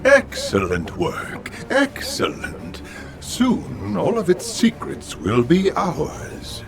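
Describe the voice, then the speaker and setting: A man's voice: high-pitched, huge pitch swings, loud music behind the voice, heavily acted. An actor playing a scheming elderly male cyborg leader in a game cutscene, drawing out his words with relish. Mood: gloating. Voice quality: creaky, drawn-out, relishing. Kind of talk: video game cutscene voice acting. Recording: game score under the voice.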